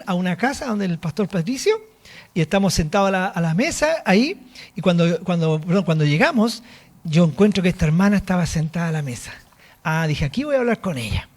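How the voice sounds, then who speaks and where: High, animated preacher man. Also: moderate pace. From Chile. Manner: storytelling, animated, acts out dialogue. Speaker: apostle preaching. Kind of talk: sermon testimony.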